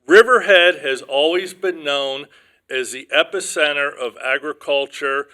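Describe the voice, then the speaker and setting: Man, farm group director, bright tone, crisp voice, formal measured address, podium mic. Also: on the high side. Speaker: farm organization executive director. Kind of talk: public comment at a town board meeting. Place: town hall meeting room. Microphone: podium microphone.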